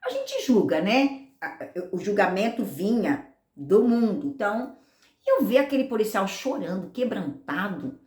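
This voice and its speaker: Woman pastor, animated storytelling sermon, very expressive pitch, roomy echo. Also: measured pace. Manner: animated storytelling, acting out dialogue. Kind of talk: sermon testimony.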